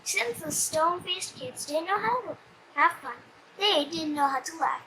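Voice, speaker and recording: Very high-pitched child reading a story aloud. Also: a little slow, background noise. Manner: animated, stumbling reader.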